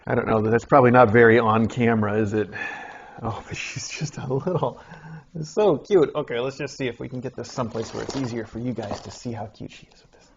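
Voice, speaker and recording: A man casually narrating as he unpacks mail for a litter of kittens, chatting along and now and then cooing at them in a higher voice. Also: a little fast, gravelly. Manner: chatty, talks to kittens in a high coaxing voice. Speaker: channel host opening mail. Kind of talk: casual narration while unboxing. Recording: slightly dull lo-fi sound, faint noise.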